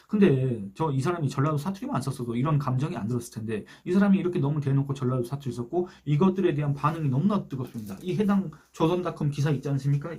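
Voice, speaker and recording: A man's voice: on the high side, dark tone, slightly rough. A man giving a solo political commentary, earnestly asking rhetorical questions and reading out online comments.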